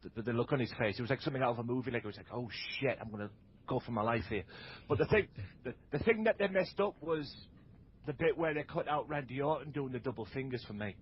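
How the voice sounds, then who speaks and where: A man talking as a guest on a casual wrestling podcast, excitable and stumbling over repeated words. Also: mid-range voice, quick pace, muffled recording, slight background noise. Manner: excitable, stammers on restarts.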